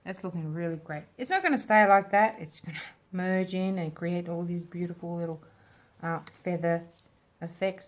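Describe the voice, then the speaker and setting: Casting: female craft-tutorial host, lowish pitch, lightly raspy smoker's tone, casual think-aloud delivery. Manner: informal, thinking aloud as she works. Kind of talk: casual hands-on demo chat.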